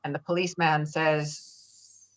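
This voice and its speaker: A woman's voice: low-pitched, little pitch movement, takes it slowly. A woman reading scripted stage directions as a narrator, heard on muffled audio. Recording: dull, muffled online call audio.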